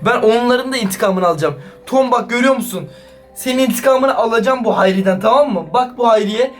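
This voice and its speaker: Man, high voice, excitable, slangy, casual gaming vlog, talks to viewers, faint music underneath. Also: a little fast. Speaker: YouTuber.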